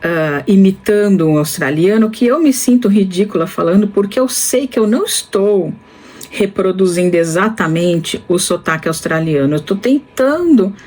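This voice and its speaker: A woman in her fifties from Brazil talks to camera in a relaxed, reflective vlog. She speaks slowly and deliberately, pausing often and restarting her phrases as she thinks. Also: medium pitch. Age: 50s. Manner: slow and deliberate, with many pauses and restarts. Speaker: vlogger. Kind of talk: casual reflective talk to camera.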